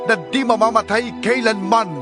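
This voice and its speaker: A man performs a fiery preacher of the wilderness in a dramatized scripture recording. His voice is pitched well up and he exhorts sternly, like someone calling for repentance. Music plays clearly behind him. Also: steady tone, moderate pace, lightly acted. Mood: solemn, exhorting. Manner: declamatory, exhorting.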